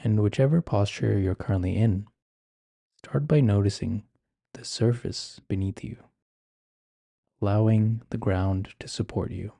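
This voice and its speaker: A man guiding a meditation in an ASMR-like style, speaking gently and giving soft, measured instructions. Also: lowish voice, vocal fry, dry recording, clean studio sound. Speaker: meditation guide.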